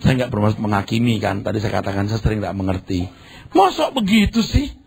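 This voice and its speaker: A middle-aged man preaching a sermon in a conversational way, dropping to low murmurs and jumping to sudden high exclamations. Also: fairly even intonation, quick pace, gravelly, a little mellow, slightly rough. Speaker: pastor.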